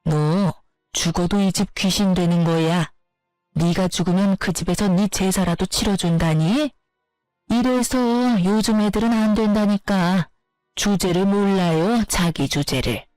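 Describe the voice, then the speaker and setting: A woman's voice: medium pitch, a little slow, darkish tone, no echo, faint music behind, lightly acted, low-quality recording. A woman voicing a domineering, insulting older mother-in-law who scolds with contempt, in a narrated story. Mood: scornful.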